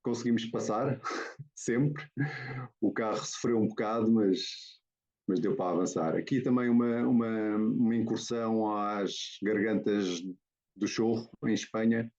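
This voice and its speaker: A lowish, dark-toned man speaking with a European Portuguese accent. He talks his way through a slide presentation, stopping and restarting often as he goes. The sound is dull and lo-fi, like a video call. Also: steady tone, unhurried. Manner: hesitant, many fillers and restarts. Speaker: guest photographer.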